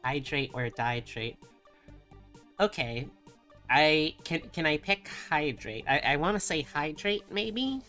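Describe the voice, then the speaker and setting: A woman live streamer chatting casually with her viewers, rambling and thinking aloud in a halting way. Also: low-pitched, lively intonation, bright, forceful tone, soft background music. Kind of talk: casual chat with livestream viewers.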